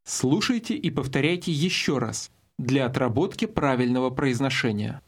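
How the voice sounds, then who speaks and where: A man narrating a scripted language course, giving slow, deliberate instructions. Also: medium pitch, animated, breathy edge.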